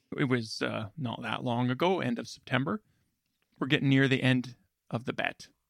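A man speaks at a medium pitch and a fairly quick pace with ordinary pitch variation. The recording is very clean with a silent background and a dry, close sound with no echo. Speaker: comedy podcast host. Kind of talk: pitchman patter, mock life-coach sales pitch. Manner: animated, florid, theatrical.

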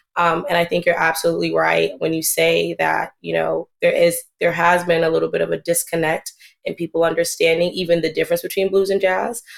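A woman talks at a fairly quick pace with an American accent. She hardly pauses at all. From New York, Queens. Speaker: podcast host, civic engagement strategist. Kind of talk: interview.

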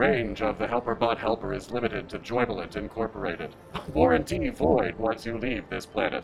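Using a put-on character voice, a man talks at a fairly quick pace and medium pitch. Clear background noise can be heard. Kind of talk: flat, corporate, legalistic. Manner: deadpan.

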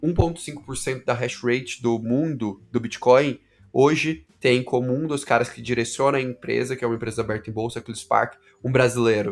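This man has an ordinary speaking voice with a medium pitch. He talks at a moderate pace. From Goiânia, Brazil. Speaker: crypto market analyst. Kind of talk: casual interview. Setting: studio.

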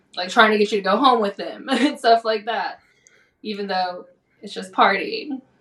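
A woman with a General American accent and an unremarkable speaking voice, fairly high in pitch, with ordinary pitch variation, a moderate pace and big swings in loudness. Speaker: adult entertainer. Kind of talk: casual interview chat.

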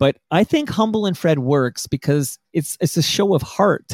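A man in a normal speaking voice with a Canadian accent, lively intonation and a moderate pace, in a very clean recording with a silent background and a dry, close sound with no echo. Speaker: podcaster. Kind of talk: casual interview chat.

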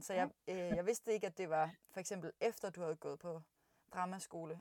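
At a moderate pace, a woman talks in a plain, everyday voice at a medium pitch with ordinary pitch variation, the sound dry and close with no echo. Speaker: podcast host. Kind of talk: casual chat.

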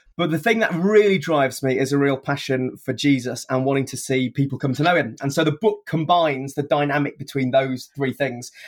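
A fairly high-pitched man with an English accent, fairly quick and with hardly any pauses, with ordinary pitch variation. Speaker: author and mission leader. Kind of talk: interview. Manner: animated.

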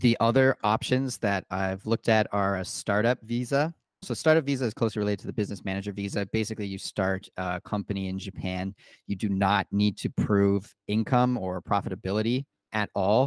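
A man with a Canadian accent speaks in a plain, everyday voice at a fairly quick pace. His pitch is fairly low with ordinary pitch variation, and the sound is dry and close with no echo. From Canada. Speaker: podcast co-host, property startup co-founder. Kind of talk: casual chat.

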